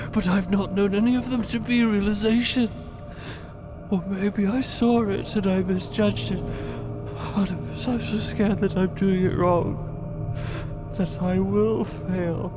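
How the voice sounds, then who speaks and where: A man's voice: sits high, fairly even intonation, unhurried. A man playing an anxious young religious novice in an audio drama, pleading and confessing a terror of failure. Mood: anxious despair. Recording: dramatic music behind the voice.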